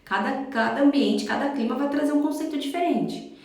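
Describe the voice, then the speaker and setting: A woman's voice: high-pitched, fairly quick, darkish tone. A woman with a Brazilian accent, a parenting educator talking conversationally to her viewers and often checking in with tag questions. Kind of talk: live-streamed advice talk. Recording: echoey room.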